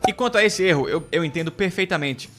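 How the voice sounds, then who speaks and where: Bright-voiced man teaching pronunciation. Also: high voice, soft background music. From United Kingdom. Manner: explanatory, repeats words slowly to model pronunciation. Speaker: English teacher. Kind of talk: online English lesson.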